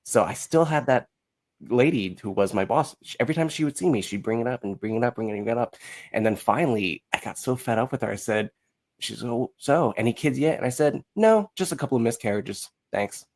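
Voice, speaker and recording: A man's voice: mid-range voice, lively intonation, a little fast, darkish tone. A man speaking as a podcast guest, telling anecdotes in a candid, casual way with a blunt, self-mocking manner and acting out quoted remarks.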